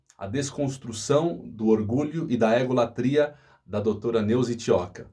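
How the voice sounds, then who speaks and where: A man speaks at a fairly slow pace in a somewhat breathy, medium-pitched voice. His tone is dark and mellow, and his pitch varies in an ordinary way. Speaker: voice actor and audiobook narrator, voice coach. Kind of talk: casual talk to camera explaining audiobook recording. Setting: home recording studio.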